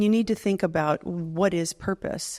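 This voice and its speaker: A woman's fairly low voice with an American accent, an ordinary speaking voice at a moderate pace with ordinary pitch variation, dry and close with no echo over a quiet background. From US South, Middle Georgia. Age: 60s. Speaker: executive coach. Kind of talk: podcast interview.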